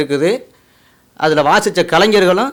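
In a very clean recording with a silent background, a man talks in a high pitch with ordinary pitch variation. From Tamil Nadu, Pudukkottai. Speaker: folk singer. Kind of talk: casual chat.

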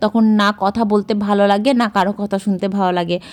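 As she talks, the woman's pitch shows ordinary variation. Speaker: vlogger and homemaker. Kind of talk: casual vlog narration. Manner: chatty, informal.

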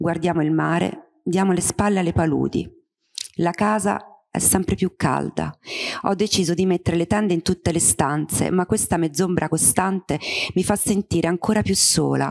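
Against a quiet background, a woman with a fairly low pitch speaks at a moderate pace, her loudness very even and her intonation fairly even. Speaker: festival organizer reading aloud. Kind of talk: reading aloud at a panel event. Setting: stage with audience. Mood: weary, melancholic. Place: hall. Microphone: handheld.

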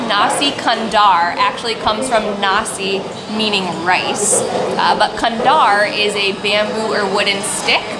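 Music plays behind a woman as she talks. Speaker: travel vlogger. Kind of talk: casual vlog chat.

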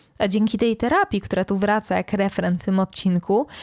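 In a very clean recording with a silent background and a dry, close sound with no echo, a woman with a normal speaking voice talks at medium pitch, a moderate pace and fairly even intonation. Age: 30s. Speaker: podcast host. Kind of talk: casual monologue.

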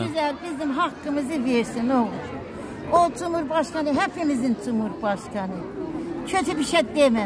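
A woman with a high-pitched voice and lively intonation speaks at a moderate pace, the sound dry with no echo but with noticeable background noise. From Erzurum, eastern Turkey. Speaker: protesting resident. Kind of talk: interview answer. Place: open country. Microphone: phone near.

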